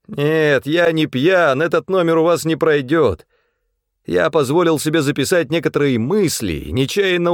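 Male reader as enraged middle-aged man, loud, high strained yelling, dry close sound. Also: no echo. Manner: yelling, mocking, scornful. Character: furious indignant middle-aged man, shouting insults.

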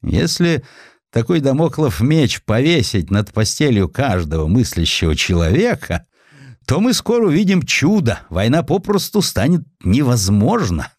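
A man's voice: medium pitch, very animated, a little slow, no echo, clean studio sound, voice pushed up. Man playing a bitter, declamatory inventor, swooping intonation. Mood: scornful, grandiose. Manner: emphatic, declamatory, sardonic. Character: proud, misanthropic male inventor, bitter and cynical.

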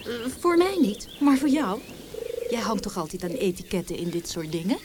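Lively, forthright young woman, played by an actress. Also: medium pitch, normal speed, lightly acted. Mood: brisk, probing. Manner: direct, teasing. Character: forthright, teasing young woman being courted. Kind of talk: Dutch radio drama acting. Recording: radio play with noisy background ambience.

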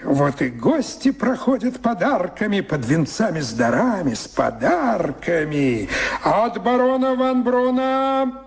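An actor playing an exuberant folk storyteller in a radio play, reciting rhymed, rhythmic patter in a playful declamatory manner. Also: male voice, sits high, big pitch swings, a little slow, gravelly, exaggerated voice. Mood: pompous announcing. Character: exuberant male folk storyteller reciting a royal wedding feast.

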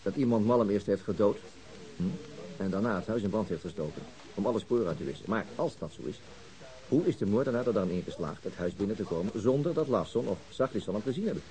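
Guy playing thoughtful detective, low voice, quick talker, radio play. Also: animated, warm tone, lightly acted, poor audio. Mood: pondering. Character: thoughtful, methodical male police detective. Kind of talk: Dutch radio drama acting.

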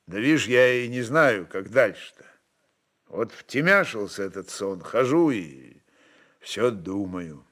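A man's voice: lowish voice, expressive, slow pace, a bit bright, full character voice. A man voicing a brooding, blunt Cossack chieftain, a father, who muses in plain folksy dialect. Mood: brooding, tender.

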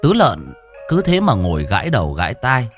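A man narrating a comic ghost story in a colloquial, lively manner. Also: mid-range voice, moderate pace, soft background music.

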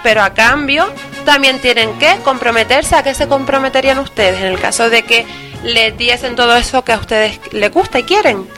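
Woman co-host, slightly high voice, recaps each answer, music beneath. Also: normal speed. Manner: sums up answers, many "vale"s. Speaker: radio co-host. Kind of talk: local radio chat.

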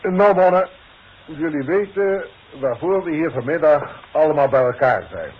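A man's voice: fairly high pitch, lively intonation, normal speed, breathy edge. A male actor playing a formal, paternal boss, giving solemn, oratorical speech in a 1960s radio drama. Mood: ceremonious. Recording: dull 1960s radio recording.

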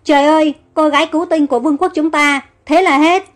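A woman's voice: sits high, moderate pace, pushed and bright. A woman voicing a male envoy, anguished and desperate.

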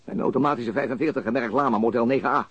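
An actor playing a calm, all-knowing police detective in a radio drama, interrogating in a terse, matter-of-fact way. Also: male voice, medium pitch, very fast, breathy edge, no echo. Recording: dull, lo-fi radio drama recording.

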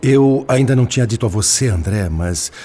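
An older man playing a grieving grandfather spirit, confiding in a hushed, pained and breathy voice in a radio drama. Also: medium pitch, lively intonation, fairly quick, lightly acted. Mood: sorrowful confession. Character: grieving elderly male spirit, grandfather, gentle. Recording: reverberant with background music.

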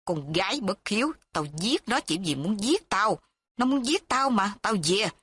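A woman's voice: mid-range voice, lively intonation, moderate pace, fairly bright tone, no room sound. A woman doing a harsh scheming old father. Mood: cursing. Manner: gruff, scolding.

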